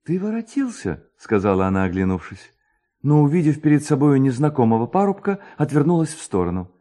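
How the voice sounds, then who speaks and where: A man's voice: medium pitch, fast. A man narrating a literary folk tale in a dramatic, suspenseful, theatrical manner. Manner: expressive, theatrical, suspenseful storytelling.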